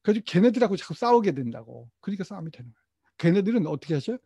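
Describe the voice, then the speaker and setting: A man's voice: sits high, big pitch swings, racing, mellow, breathy edge, no echo. A middle-aged man giving a lecture to teachers. He asks questions and answers them himself, leads the group in repeating phrases, and chuckles often. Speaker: teacher trainer.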